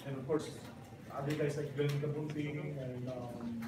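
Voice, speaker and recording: A middle-aged man with a Filipino accent, a basketball coach at a post-game press conference, mixing Filipino and English with many pauses and fillers. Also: medium pitch, fairly even intonation. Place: press room with sponsor backdrop. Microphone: table microphones, heard from a distance. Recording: very echoey room, distant mic, loud noise.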